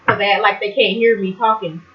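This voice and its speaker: A woman chatting in the kitchen during a family cooking vlog, a quick talker who teases and banters. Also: medium pitch, steady tone, roomy sound. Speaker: family member co-host. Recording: dull lo-fi home video sound.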